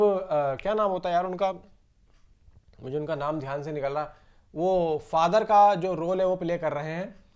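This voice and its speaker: A man giving casual, rambling film news commentary, chatting directly to his viewers like friends. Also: sits high. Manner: conversational, rambling, addresses viewers as bro.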